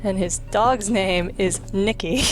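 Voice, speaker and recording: A woman's voice: medium pitch, takes it slowly. A woman hosting a Let's Play with casual, sardonic, sweary commentary. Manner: sardonic, profane. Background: game music.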